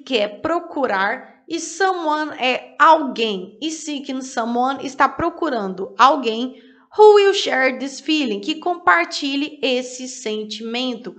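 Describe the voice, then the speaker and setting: A woman's voice: sits high, a bit bright. A woman gives an English lesson built on song lyrics. She takes the lines word by word and repeats each phrase with its translation. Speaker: English teacher.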